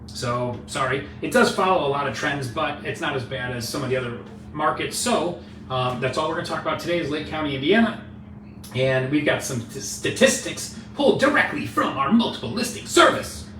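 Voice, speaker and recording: A man's voice: fairly high pitch, a little fast. A man co-hosting a casual chat show, joking and rambling playfully. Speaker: co-host, real estate agent. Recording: echoey room, mic at a distance, faint hiss.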